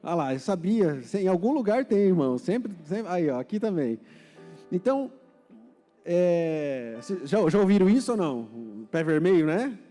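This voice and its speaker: A man's voice: high-pitched, very animated, moderate pace, mellow, in a large hall, faint music behind. A man from Paraná, Brazil, with a Paraná Brazilian Portuguese accent, preaching a sermon in a church and putting questions to the congregation. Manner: conversational, asks the congregation questions. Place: church hall.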